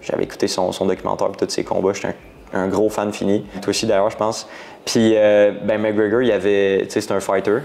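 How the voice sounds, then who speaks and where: A young man with a Quebec French accent talks in a lowish voice. He rambles casually through his story in an interview, full of slang and English words mixed into his French. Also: flat delivery, fairly quick, vocal fry, darkish tone, slight background noise. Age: 20s. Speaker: guest entrepreneur.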